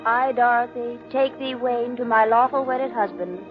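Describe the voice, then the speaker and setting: A solemn bride played by an actress intones her vows in a fairly high voice. It is 1940s radio drama, tinny, with loud organ music. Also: normal speed, natural voice.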